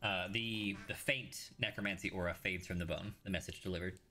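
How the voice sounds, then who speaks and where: Male game master, very low pitch, forceful edge, halting improvised narration. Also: steady tone. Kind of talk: narrating a tabletop fantasy game.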